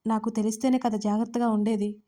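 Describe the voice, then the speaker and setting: A woman voicing a fierce yet loving young wife who scolds sharply and presses hard, in a mellow voice. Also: fairly high pitch, little pitch movement, fast talker, lightly acted. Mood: probing. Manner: sharp scolding, then pleading.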